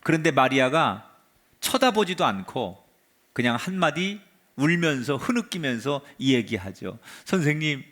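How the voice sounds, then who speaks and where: A man, a pastor, preaching a sermon and retelling a story with drama, his voice sinking to a hush at the end of phrases. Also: medium pitch, very animated, unhurried. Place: church sanctuary.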